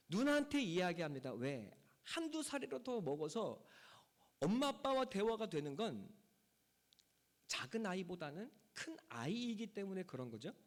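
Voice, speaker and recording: Emphatic high-voiced pastor in reverberant church. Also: male voice. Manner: emphatic preaching, voice rising and falling sharply. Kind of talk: sermon. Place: church sanctuary.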